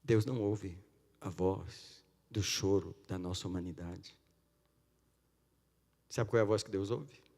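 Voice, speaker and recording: A man preaching a sermon in a church, swinging from loud cries to hushed pleading. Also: low voice, a little slow, creaky, pauses often. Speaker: pastor. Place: church sanctuary. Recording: long church-hall reverb.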